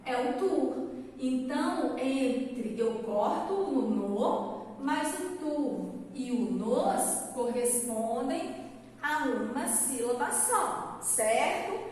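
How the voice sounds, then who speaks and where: A woman's voice: high voice, expressive, drawn-out words, a little mellow. A woman teacher giving a lesson, explaining step by step, checking in with her students, and drawing out words in a sung tone. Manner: calls out words in a stretched, sung tone. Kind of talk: recorded classroom lesson. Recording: echoey hall from far off, faint background noise.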